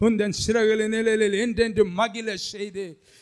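A man with a high voice speaks in an animated tone while music plays in the background. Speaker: preacher. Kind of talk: sermon. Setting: church. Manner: animated, fervent; expository, rhythmic repetition. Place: church. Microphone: handheld.

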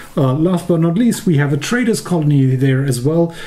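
Against noticeable background noise, a man with a German accent speaks with ordinary pitch variation. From Germany. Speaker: board game podcast co-host. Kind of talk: casual chat. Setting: studio. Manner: joking.

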